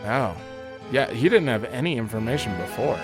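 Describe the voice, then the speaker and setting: Over video game music, a man in his thirties hosts a let's play, casually rambling and reading in-game dialogue aloud as he plays. He has a mid-range voice with lively intonation and speaks at a normal speed.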